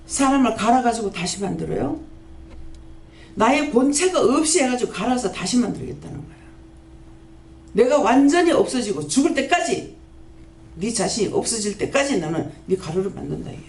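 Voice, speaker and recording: A woman pastor, preaching a sermon and scolding with rapid-fire rhetorical questions. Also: on the high side, big pitch swings, creaky, a little mellow. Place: prayer house church. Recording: echoey church hall, faint background noise.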